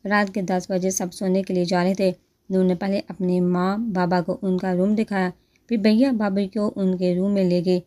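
A woman narrating a romance novel aloud in a steady storytelling manner. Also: mid-range voice.

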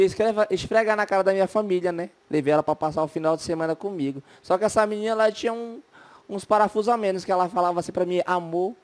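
A young man does a chatty, self-mocking stand-up set and keeps tossing in little tag questions. His voice sits a touch high for a man. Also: darkish tone. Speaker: stand-up comedian contestant.

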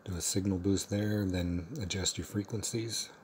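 Man, deep voice, tutorial presenter, step-by-step instructions, plain delivery, faint noise behind. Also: little pitch movement, moderate pace. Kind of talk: step-by-step software tutorial narration.

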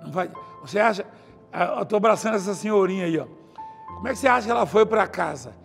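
A middle-aged man preaching a chatty, animated sermon in a large church, acting out scenes and laughing often. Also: high-pitched, quick pace, creaky. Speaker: apostle, preacher. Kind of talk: conversational sermon. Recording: reverberant church hall with faint music.

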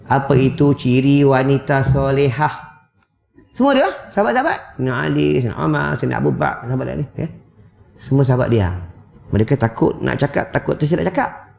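A man with a Malaysian Malay accent preaching in a mosque prayer hall, animated and teasing, acting out little scenes with wives' voices. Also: medium pitch, brisk, vocal fry, highs cut off. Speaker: religious preacher. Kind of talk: lively sermon.

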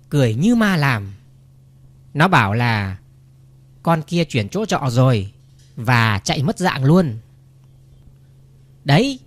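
A man's voice: a little high, no echo. A man reading a string of short jokes aloud as scripted narration, voicing every part himself with only small shifts. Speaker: joke narrator.

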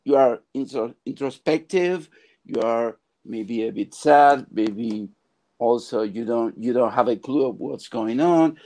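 Argentine guy on a video call, slow and mellow, stops and restarts a lot, earphone mic. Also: medium pitch. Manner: halting, searching for words, frequent restarts. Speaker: film composer guest. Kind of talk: casual video call interview. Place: home music studio.

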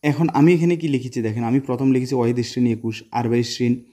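A man from Bangladesh teaches a casual video lesson in a mellow, husky voice. He explains step by step, asking questions and answering them himself, and drops English phrases in between. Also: mid-range voice, steady tone, fast talker. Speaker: Arabic language teacher.

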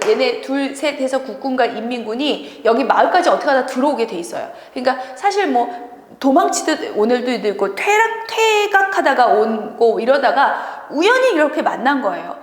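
In what sounds like a classroom, a woman tutor lectures students on a literary work, chatty and animated, often laughing between points. Her voice sits high at normal speed, and the echoey room has long reverb.

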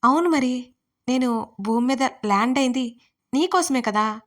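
Woman narrator doing a playful young woman, fairly high, teasing banter, romance audio story. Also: a little slow.

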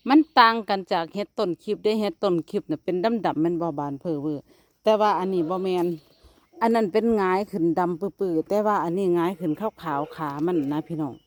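A woman's voice: fairly low pitch, fairly quick, dry recording. A woman with an Isan Thai accent chatting casually to viewers in a vlog, filmed outdoors in a rural yard on a phone. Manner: chatty, addresses viewers as "brothers and sisters". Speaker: vlogger.

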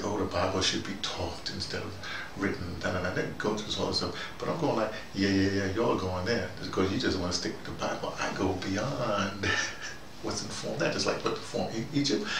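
A man plays an opinionated, easygoing intellectual guy with a low, gravelly voice. He rambles casually and argues his points, often digressing. He is recorded at a distance in an echoey, noisy room. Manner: digressive, animated, argumentative, punctuated with "you know". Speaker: vlogger in character. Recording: distant mic, echoey room, loud background noise.

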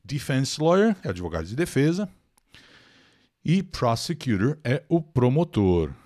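Lively older Brazilian teacher, close and dry. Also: male voice, medium pitch, measured pace, no echo. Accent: Brazilian Portuguese. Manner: lively, explanatory, answers chat viewers by name. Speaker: English teacher hosting a live class. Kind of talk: live online English lesson.

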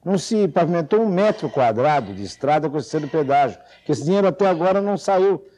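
A man's voice: a little high, animated, quick pace, dark tone. A middle-aged man hosting a TV studio interview, asking questions in a conversational way on a lapel mic. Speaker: TV host.

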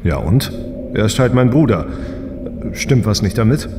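An actor playing an easygoing, dutiful test pilot and older brother in an audio drama, casual and thoughtful. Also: male voice, fairly low pitch, sing-song, moderate pace, background noise.

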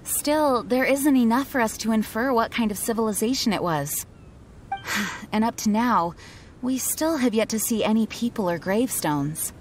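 A woman's voice: fairly high pitch, expressive, a little hiss or hum, natural voice. Woman as a composed, formal knight commander. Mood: thoughtful. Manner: measured, formal, serious. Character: composed, dutiful young female knight commander. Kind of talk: video game voice acting.

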